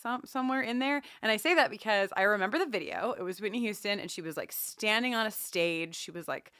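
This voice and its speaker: A woman podcaster chats casually, animated and enthusiastic, often wandering into little stories. Her voice is bright and clean-toned, recorded dry with no room around it. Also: medium pitch, fast talker, smooth, no echo. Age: 40s. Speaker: podcast co-host. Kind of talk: casual chatty storytelling and banter.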